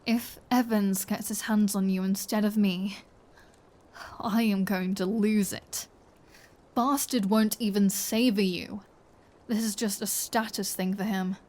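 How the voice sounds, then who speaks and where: Woman acting as a female vampire, flirty, menacing, sardonic, unhurried, soft dark tone, whispery asides, intimate ASMR roleplay. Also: medium pitch, steady tone, natural voice. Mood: wry, possessive. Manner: teasing, sardonic, often dropping to a whisper. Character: flirty, menacing female vampire taunting her captive hunter.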